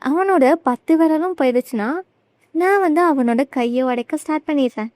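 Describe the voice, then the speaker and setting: Woman doing creepy loan shark guy, mocking threats, dark tone. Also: high voice, moderate pace, no room sound, natural voice. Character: menacing male loan shark, mocking and cruel.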